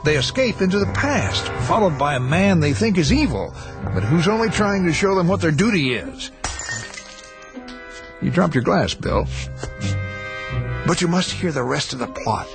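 An actor playing a smooth, scheming male film director who hides a menacing purpose, in a radio drama. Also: a little high, sing-song, normal speed, long pauses. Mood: ingratiating. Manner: boisterous, ingratiating host turning menacing. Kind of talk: 1980s radio drama acting. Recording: radio play with music behind.

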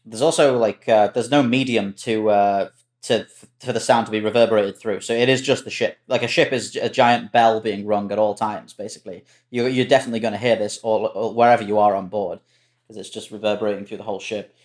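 A man's voice: on the low side, steady tone, brisk. A man talking casually in a roundtable discussion.

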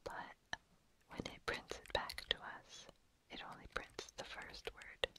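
A person giving a whispered ASMR programming lesson, softly and close to the listener's ear, as an instructor. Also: slow. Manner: soft unvoiced whisper throughout. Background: computer keyboard typing.

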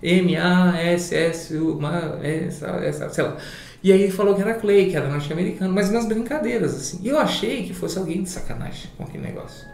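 A man with a Brazilian Portuguese accent, telling a story casually in an interview, animated and swearing. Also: high-pitched, fairly quick, creaky, roomy sound, a little hiss or hum. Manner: animated, swearing, acts out voices in his story.

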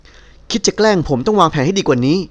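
A calm young man speaks softly and evenly, as a male narrator plays him, with an easy, amused edge. He stays unhurried and gentle in a romance storybook. His voice sits close to an ordinary man's talk. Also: a little high, lightly acted. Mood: calm, teasing. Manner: soft, even and unhurried. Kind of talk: audiobook character voice.

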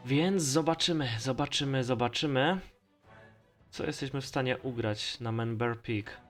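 A man's voice: mid-range voice, measured pace, fairly bright tone, soft background music. A man with a Polish accent giving casual, slangy, mildly profane gaming commentary as host of a let's play. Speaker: gamer hosting a let's play series.

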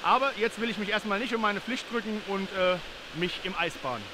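High-voiced man over rushing fountain water. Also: background noise. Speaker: DJ taking a charity challenge on camera. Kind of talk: casual presenting to camera. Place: outdoors by and in a large city fountain. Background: splashing fountain.

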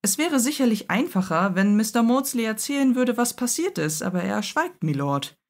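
Woman reading as a calm, respectful valet. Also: on the high side, moderate pace. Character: loyal, calm male valet.

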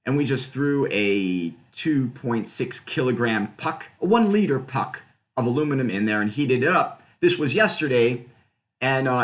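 A middle-aged man talks through his slides on a webcam video call from a room at home. His pitch moves a lot, rising and falling as he explains. He speaks casually, with fillers and quick self-corrections. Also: fairly bright tone. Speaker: physics researcher presenting.

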